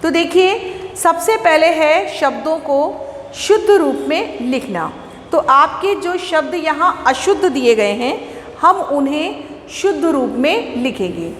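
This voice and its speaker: A woman with a fairly high voice teaches children, explaining each point patiently and answering her own questions. She sounds like she is in a classroom. The recording is roomy, with a long reverb tail and faint ambient noise behind her. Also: expressive, slow. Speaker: school Hindi teacher.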